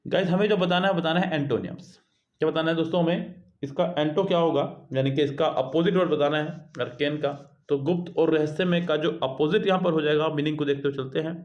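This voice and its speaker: This man's voice is a little high, and the recording has a lo-fi sound. During his exam prep lesson he slowly reads out each English question, explains it in Hindi, and refers to his students as guys and children.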